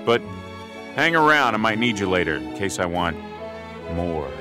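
A man's voice: low voice, very animated, normal speed, over loud music. An actor in a radio drama playing a cocky, greedy small-time hood with an American accent and brash, slangy wise-guy talk. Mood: smooth, flirting.

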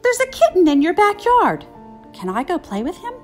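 A woman voicing a timid, excitable little girl in a children's storybook. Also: very high-pitched, moderate pace, soft background music, voice pushed up, heavily acted. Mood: excited.

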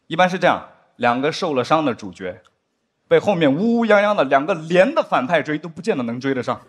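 A young adult man performing a stand-up comedy set on a studio stage, animated, now and then acting out stiff drama lines in a lower voice. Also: fairly quick. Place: studio stage with live audience. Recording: studio stage with audience laughter. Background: audience laughter.

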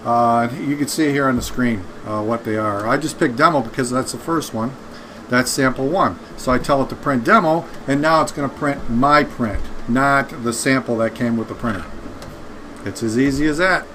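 A man's voice: mid-range voice, moderate pace, sharp tone, slight background noise. A man in his fifties giving an informal, plain-spoken how-to explanation to camera as a video host. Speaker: YouTube host showing workshop tips. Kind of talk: casual explanatory tutorial to camera. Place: indoor home workshop.

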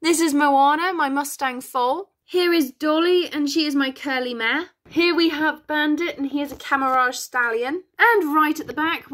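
A woman's voice: high-pitched, fairly bright tone. A woman from the United Kingdom narrating a casual tour of her toy horse barn, chatty with self-deprecating asides.

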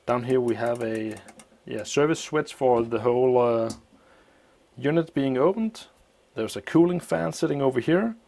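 A man explaining a teardown of an old appliance at a workshop bench, thinking aloud with many pauses, his voice slightly muffled by a mask. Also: mid-range voice, expressive, gravelly, warm tone. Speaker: electronics teardown host. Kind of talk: hands-on technical walkthrough.

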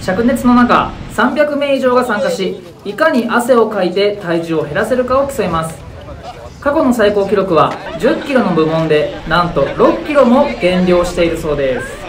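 A woman giving calm scripted TV narration. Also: mid-range voice, moderate pace, echoey room, far from the mic, crowd noise.

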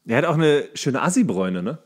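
Slangy guy on a podcast just chatting, middle pitch, really varied melody. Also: sing-song, a little fast. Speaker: podcast co-host. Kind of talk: casual slangy chat.

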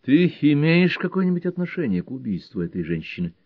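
A man's voice: on the high side, sing-song, brisk, husky, no room sound, highs cut off, pitched above the performer's own voice, exaggerated voice. A man voicing an older police inspector who talks in a clipped, dry, commanding way. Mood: stern questioning.

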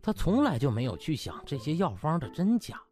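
A man narrating a comic audiobook in an animated storytelling style. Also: fairly high pitch, brisk. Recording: music bed behind.

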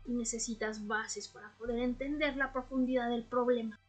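A woman playing a patient, enigmatic vampire scholar in a radio drama, speaking in a measured, solemn way. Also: on the high side, steady tone, soft background music, close to an everyday voice. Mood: instructive, measured. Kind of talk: Spanish-language amateur radio drama acting.

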